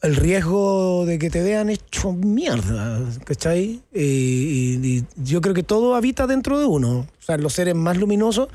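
A man's voice: high-pitched, lively intonation, unhurried, hardly any pauses, mellow, dry recording. A man with a Chilean accent, an actor talking candidly in an interview, casual and slangy with lots of fillers and tag questions.

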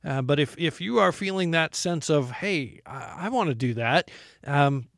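A man's voice: a little high, expressive, moderate pace, vocal fry, a bit bright, no room sound, clean studio sound. A man hosting a faith interview, speaking in a conversational, encouraging way with frequent fillers and repeats. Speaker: radio show host.

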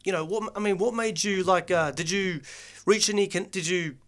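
A man hosting a casual radio interview, halting and rephrasing with many fillers. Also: high voice, fairly bright tone. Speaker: radio host.

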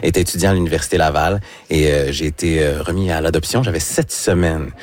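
Deep low-voiced Québécois man. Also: darkish tone. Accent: Québécois French. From Quebec. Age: 30s. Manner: thoughtful, measured, often pausing with fillers. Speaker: radio host as guest. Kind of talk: relaxed interview talk.

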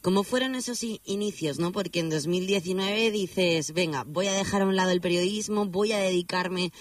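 A man's voice: high voice, normal speed, dry recording, far from the mic. A man interviewing a singer, asking friendly, rambling questions. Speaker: interviewer and journalist.

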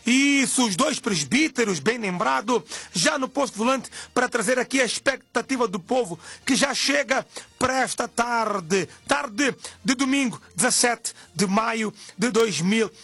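A man's voice: extremely high pitch, lively intonation, a little slow, vocal fry, fairly bright tone, husky, no echo. A man hosting live religious radio, effusive and preacherly, chatting with the technician. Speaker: radio presenter and church elder.

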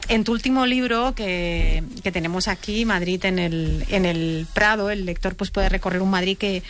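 A woman's voice: mid-range voice, normal speed, slight background noise. A woman from Barcelona interviewing a guest, often repeating words as she searches for her phrasing. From Barcelona, Spain. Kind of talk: radio-style interview chat.

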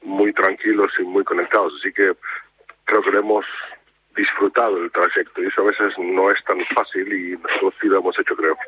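A man with an Argentine accent, a national hockey coach, speaking calmly and reflectively in a radio phone interview, with many restarts. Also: low-pitched, moderate pace. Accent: Argentine Spanish. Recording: tinny phone line with faint noise.

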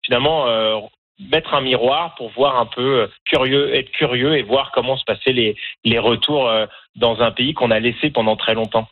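A man's voice: medium pitch, steady tone, moderate pace. A man from France with a French accent, a documentary filmmaker as a guest, speaking thoughtfully with many hesitations. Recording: tinny phone-line sound.

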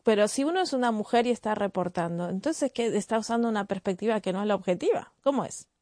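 A woman's voice: medium pitch, animated, quick pace, darkish tone, no room sound, clean studio sound. A woman from Argentina with an Argentine accent, interviewing in an engaged, chatty way and often finishing the guest's thoughts. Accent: Argentine Spanish. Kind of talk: conversational interview.

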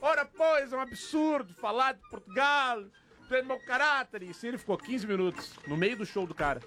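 A male radio panelist with a southern Brazilian gaúcho accent and a high, swooping voice. He spins jokes casually and haltingly, over clearly audible music. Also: expressive, sharp tone. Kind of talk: casual joke telling and banter. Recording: music bed behind the voice. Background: clear background music.

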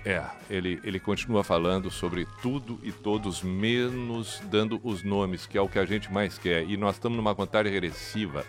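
A man with a Brazilian Portuguese accent hosting a live radio show, narrating an event as it happens in an excitable, urging way. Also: lowish voice, normal speed, few pauses, soft background music. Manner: excitable, urging, running play-by-play. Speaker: radio host. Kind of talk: live commentary chat.

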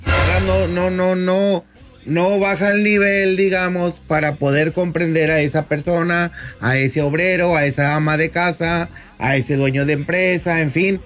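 A fifty-year-old man talks through his points patiently in a radio booth, a lawyer laying out his ideas. His voice sits a little high for a man. A faint music bed runs quietly underneath. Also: steady tone. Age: 50s. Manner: measured, explanatory, often addresses the host by name. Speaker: lawyer guest on radio show. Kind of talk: radio talk segment.

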